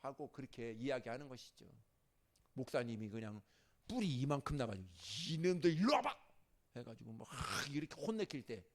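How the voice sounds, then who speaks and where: A man preaching a sermon as a pastor, animated, turning from loud scolding to soft asides and asking the congregation questions. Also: mid-range voice, brisk. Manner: asks the congregation questions and jokes with them.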